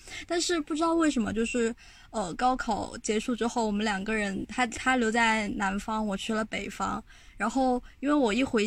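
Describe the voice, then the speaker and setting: A somewhat breathy voice at a fairly quick pace, with ordinary pitch variation. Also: woman. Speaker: university graduate, podcast co-host. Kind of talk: casual chat. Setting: university dorm room.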